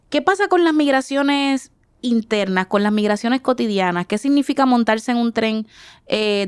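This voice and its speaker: In a dry, clean studio recording, a woman in her forties from the Dominican Republic, appearing as an artist guest, reflects on interview questions. Her mid-range voice has a clean tone as she gropes for words and restarts often.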